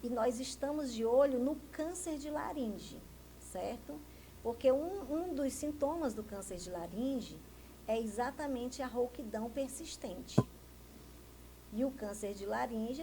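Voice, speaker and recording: A woman's voice: a little high, mellow, slight background noise, rough recording. A woman from Brazil, a speech therapist, explaining voice health in a TV interview and often answering her own questions. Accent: Brazilian Portuguese. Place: TV news studio.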